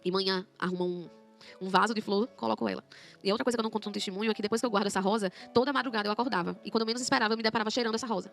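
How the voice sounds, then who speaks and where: A young woman telling her conversion testimony in an emotional, animated way, acting out her own quoted words as she talks. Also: medium pitch, very fast, gravelly, faint music behind. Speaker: guest giving a conversion testimony.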